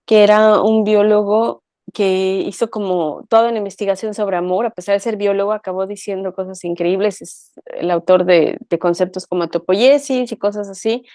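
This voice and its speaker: A woman's voice: medium pitch, darkish tone, no echo, clean studio sound. A woman co-hosting a talk show, speaking reflectively and often ending thoughts with a questioning tag. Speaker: co-host. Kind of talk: conversational talk show discussion.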